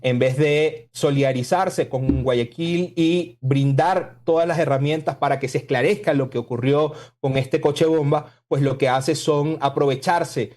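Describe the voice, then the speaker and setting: Venezuelan guy on the radio, fired up, fairly high voice, hammering his points. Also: fairly even intonation, unhurried, few pauses. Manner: forceful, combative political talk with emphatic lists. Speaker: political spokesman, guest. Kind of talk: radio interview.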